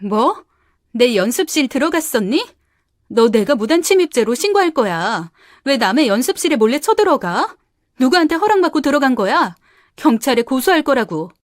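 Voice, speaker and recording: A selfish young wife full of scorn, as a woman acts her out, coaxing and sharp by turns. Her voice sits a little high, and the recording is close and dry. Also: lively intonation, normal speed, no echo, close to an everyday voice. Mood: indignant. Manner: wheedling, then shrill and defensive. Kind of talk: audio drama.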